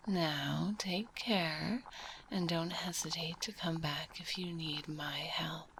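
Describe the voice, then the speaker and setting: A woman voicing a gentle, caring witch healer in an ASMR roleplay, whispering softly and soothingly close to a binaural microphone. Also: deep voice, fairly even intonation, background noise. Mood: tender, reassuring. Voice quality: soft, breathy whisper. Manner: soothing, unhurried, nurturing. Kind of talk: ASMR roleplay, addressing the listener.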